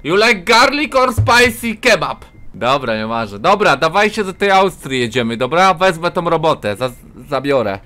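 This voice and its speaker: A man's voice: a little high, very animated, moderate pace, pushed and bright. A young man with a Polish accent, joking and trolling in voice chat while playing a truck game, switching between broken English and Polish. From Poland. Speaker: gaming YouTuber.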